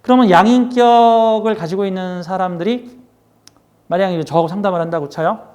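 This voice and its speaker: High-voiced man giving a lively lecture. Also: a little fast. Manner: lively, asks the class questions and answers them himself; switches between polite and casual speech. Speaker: fortune-telling teacher. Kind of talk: recorded class lecture.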